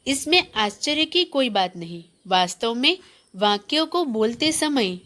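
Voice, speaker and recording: A woman's voice: a little high, lively intonation, a little slow, fairly bright tone. A woman teacher giving a grammar lesson to schoolchildren, reading from the textbook and asking the class questions. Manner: explains, then repeats points as questions to the class; reads textbook passages aloud, then explains them.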